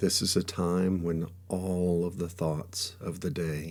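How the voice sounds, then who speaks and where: Soft-spoken and very slow, a man talks in a very deep, low voice with a dark, mellow tone and monotone, flat intonation. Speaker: meditation guide. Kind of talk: ASMR guided meditation. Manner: soft-spoken, slow, relaxing.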